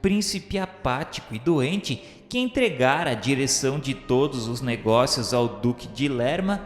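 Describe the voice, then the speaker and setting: A man's voice: medium pitch, lively intonation, measured pace. A Brazilian man reading solemn scripted narration for a radio drama in a formal, declamatory way. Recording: echoey reverberant hall sound, music underneath.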